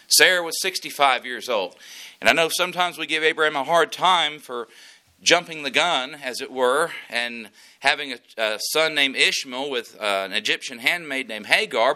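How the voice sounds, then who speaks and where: A man preaches a sermon with a drawl, in a folksy storyteller's way. His voice sits a little high and sounds very bright and edgy. He moves from scripture into homespun anecdotes. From West Texas. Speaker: pastor.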